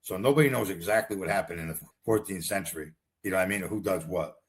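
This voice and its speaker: A man's voice: sits low, fast, a little hiss or hum. A man running for Congress, talking bluntly and combatively in a rambling political interview. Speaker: congressional candidate.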